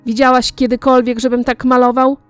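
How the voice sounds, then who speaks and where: A quick-tempered young painter, exasperated and snapping at his model, as a woman reads him in an audiobook. The delivery is slow and deliberate, at a middling pitch, with soft music faintly underneath. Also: fairly even intonation, dry recording, lightly acted. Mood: irritated. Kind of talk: audiobook reading.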